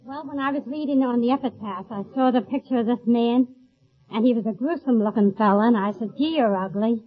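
A woman's voice: a little high, a little fast. A woman chatting and telling anecdotes as a contestant on an old radio quiz. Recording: muffled, noisy old radio recording, loud audience.

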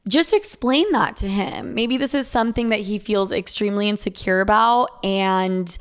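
A woman's voice: medium pitch, vocal fry, fairly bright tone. Young American woman with a Valley girl voice. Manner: Valley girl drawl with frequent "like"; blunt, heavily sweary. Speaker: podcast host giving listener advice. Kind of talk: casual, unfiltered advice talk.

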